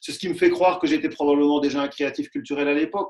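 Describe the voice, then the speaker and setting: A man with a slight Belgian accent. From Belgium. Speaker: speaker on workplace happiness, former teacher. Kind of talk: interview. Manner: animated.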